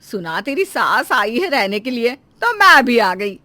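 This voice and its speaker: Nosy bride's mom in a cartoon, woman voicing her, high bright voice, loud and mocking. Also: big pitch swings, unhurried, no room sound, exaggerated voice. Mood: taunting. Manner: loud, taunting, dramatic. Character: sharp-tongued middle-aged mother of the bride, meddling.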